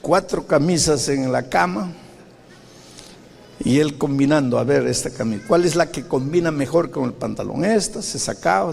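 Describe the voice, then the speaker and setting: A man's voice: mid-range voice, vocal fry, darkish tone, breathy edge, in a large hall. An older man with a Peruvian Spanish accent, a pastor telling a story in a sermon and acting out the voices in it. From Peru. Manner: storytelling, acting out dialogue with rising voice.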